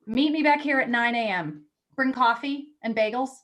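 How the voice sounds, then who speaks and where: Woman acting a blunt wry lady editor, higher voice, teases her friend, stage play reading. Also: normal speed, fairly bright tone, natural voice. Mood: irritated, bossy. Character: brisk, teasing woman magazine editor and loyal friend.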